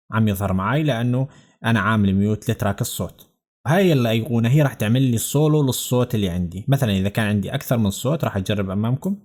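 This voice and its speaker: A man with a Levantine Arabic accent narrating a software tutorial step by step in a conversational, explanatory way. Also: lowish voice. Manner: conversational, explanatory, addressing viewers directly. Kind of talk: instructional screencast narration, step by step.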